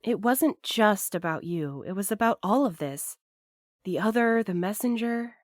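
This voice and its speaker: A woman's voice: mid-range voice, lively intonation, a little slow, no echo, clean studio sound, natural voice. A woman playing an earnest, firm young courier who speaks directly and insistently in an audio drama. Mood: worried. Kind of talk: naturalistic audio drama acting.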